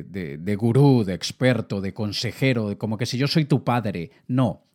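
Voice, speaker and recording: A man, a native Spanish speaker, talks straight to the listener in an earnest motivational monologue. His voice sits at an ordinary middle pitch, and he coaxes and urges by turns as he walks through his points. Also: a little mellow. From Latin America. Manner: earnest, direct, addresses the listener as "you".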